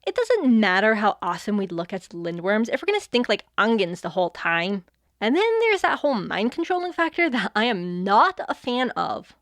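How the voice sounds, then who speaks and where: A woman's voice: mid-range voice, very animated, normal speed, fairly bright tone, no echo, clean studio sound. A woman playing a breezy, sardonic fairy in an audio comedy drama. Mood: breezy, cocky. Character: cocky sarcastic female fairy wielding chaos magic. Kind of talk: audio fiction comedy acting.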